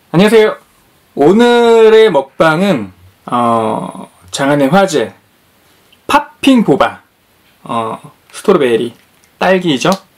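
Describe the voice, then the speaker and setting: Over a quiet background, a man speaks at a high pitch and a very slow pace, with very wide pitch swings and long, frequent pauses. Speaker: mukbang host. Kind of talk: casual vlog chat. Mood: cheerful, playful. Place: studio.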